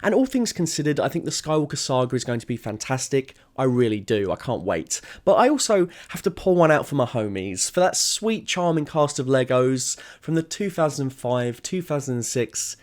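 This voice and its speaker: A man's voice: medium pitch, big pitch swings, moderate pace, hardly any pauses. A young man giving scripted opinion narration as a video essayist, conversational, opinionated and emphatic.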